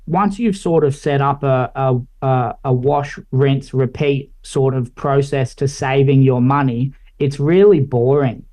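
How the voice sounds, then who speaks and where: A young Australian man in his late twenties talks casually as a podcast guest. His voice is warm and dark-toned, sitting at an ordinary pitch. He rambles loosely, filling gaps with "like" and "I guess". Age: late 20s. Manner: relaxed, rambling, many fillers like "like" and "I guess". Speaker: guest, finance analyst.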